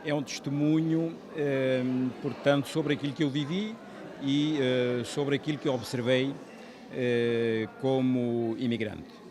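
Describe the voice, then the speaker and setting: A man, an author explaining his book in an interview, measured and full of hesitations. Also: mid-range voice, fairly even intonation. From Portugal. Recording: outdoor crowd chatter behind.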